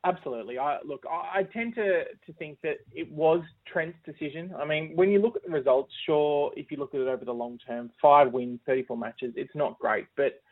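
A man, a sports journalist guest, giving measured, thoughtful analysis over the phone on a radio show. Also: fairly high pitch, no room sound. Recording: tinny phone line.

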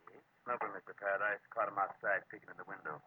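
Man playing a deep-voiced slangy gangster henchman. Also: steady tone, fast, lightly acted. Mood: tough, eager. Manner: slangy, menacing, uneducated tough talk. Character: tough low-class male gunman, crime boss's henchman. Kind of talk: 1940s radio crime acting. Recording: tinny, noisy old radio recording.

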